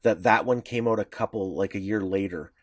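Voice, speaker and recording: A man's voice: lowish voice, fairly quick, no echo, clean studio sound. A man co-hosting a podcast in casual chat, talking with enthusiasm and tripping over restarts as ideas pile up. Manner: enthusiastic, rambling with frequent restarts. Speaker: podcast co-host.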